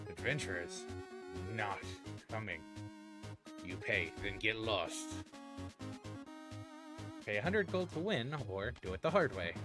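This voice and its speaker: A man puts on a character voice at a fairly low pitch, with clear music in the background. His pace is moderate, broken by long, frequent pauses. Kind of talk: broken English. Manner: screaming, growling.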